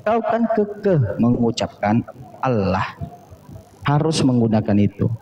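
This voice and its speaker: A man's voice: a little high, animated, normal speed, mellow. A man in a heated live debate, insistent and hectoring, often repeating himself. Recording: echoey, dull lo-fi stream with faint noise.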